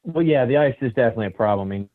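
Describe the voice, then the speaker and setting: A man's voice: medium pitch, lively intonation, rapid-fire, no room sound. Man calling in on a tinny phone line. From Texas. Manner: rambling, restarts often. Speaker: guest calling in. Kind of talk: casual chat.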